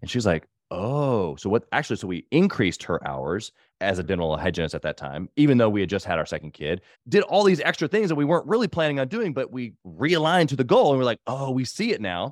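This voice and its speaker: A man talks at a very fast pace with vocal fry, his medium pitch swinging very widely. The sound is dry and close with no echo, over a quiet background. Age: 30s. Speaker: podcast host. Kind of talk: casual interview.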